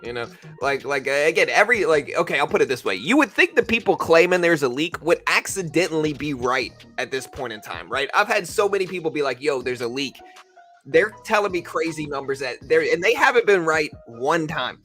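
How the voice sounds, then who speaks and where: A man's voice: on the high side, very animated, brisk, pushed and bright, soft background music. Tired, laid-back man hosting a stream. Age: adult with a daughter. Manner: laid-back, rambling, says bro and you know a lot. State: just woke up, tired, voice deeper than usual. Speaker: livestream trading host. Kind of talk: casual livestream chat. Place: home in Texas.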